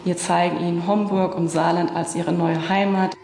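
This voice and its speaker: Gravelly woman in an echoey hall. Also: fairly low pitch, little pitch movement, moderate pace, a little mellow, faint music behind. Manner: listing steps matter-of-factly. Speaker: recruiting team leader. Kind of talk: interview explanation.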